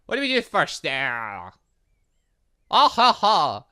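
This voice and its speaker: Animated man doing game commentary, bright voice. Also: a little high, slow, smooth. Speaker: gaming channel host. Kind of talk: let's play commentary, reading game dialogue aloud.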